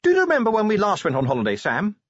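A man's voice: high voice, wildly swooping pitch, rapid-fire, no room sound, dull audio, pitched above the performer's own voice, heavily acted. A man voicing a cheerful, genteel married woman in an audiobook, chatty and pleasant. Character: cheerful, genteel wife of the commander. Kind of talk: audiobook character voice.

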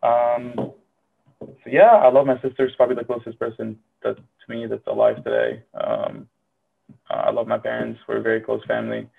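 A man's voice: mid-range voice, flat delivery, moderate pace, gravelly, husky, phone-quality sound. Rambling young man with a Syrian accent. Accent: Syrian Arabic. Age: early 20s. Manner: rambling, filler-heavy, self-deprecating. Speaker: medical student vlogger. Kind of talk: casual monologue.

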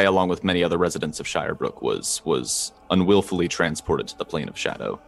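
A man playing a solemn male adventurer who speaks formally and earnestly, with some halting restarts. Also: sits low, creaky, fairly bright tone, heavily acted.

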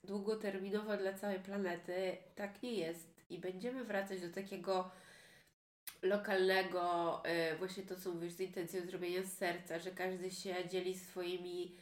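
A woman's voice: on the low side, level tone, moderate pace. A woman podcast host talking casually, often trailing off and restarting her thoughts. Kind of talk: casual conversational interview. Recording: roomy echo.

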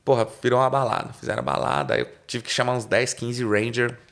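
A man's voice: mid-range voice, sing-song, fast, vocal fry, fairly bright tone. A man from Brazil telling stories as a podcast guest in casual slangy talk, acting out quoted dialogue. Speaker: podcast guest, car salesman. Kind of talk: casual storytelling.

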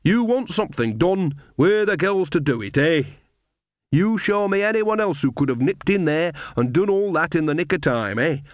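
A man's voice: a little high, animated, moderate pace, no room sound, clean studio sound, voice pushed up, natural voice. A man voicing a cheery, earthy older woman witch with colloquial rustic grammar and a breezy, cajoling manner in an audiobook. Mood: brisk, boastful. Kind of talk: audiobook character voice.

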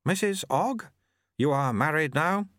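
A man playing a slow, formal cloaked stranger. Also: on the high side, animated, a bit bright, no room sound, clean studio sound, voice pushed up. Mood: solemn. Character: mysterious cloaked male stranger, solemn.

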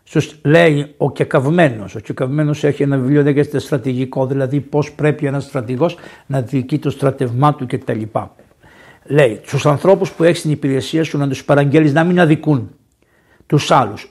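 A man from Greece, a priest giving a sermon in a lively, conversational way, often raising his voice for emphasis. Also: fairly high pitch, husky. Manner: lively, conversational preaching with sudden raised emphasis.

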